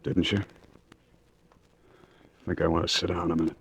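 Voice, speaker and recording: A man playing a brooding man in a vintage radio drama, speaking low and stammering as he recounts a fatal crash. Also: little pitch movement, normal speed, gravelly, husky, no room sound, exaggerated voice. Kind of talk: 1940s radio acting.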